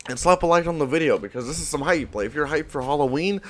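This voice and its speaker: A man's voice: fairly high pitch, fast talker. A young man hosting a gaming video with casual, hyped commentary in informal, rambling, slangy speech. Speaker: gaming YouTuber, host.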